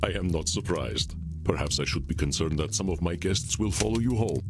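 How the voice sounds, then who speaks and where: An actor playing a courtly old vampire therapist in a video game, formal, deliberate and gently probing. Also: male voice, low voice, over music. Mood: wry, teasing. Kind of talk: video game character dialogue.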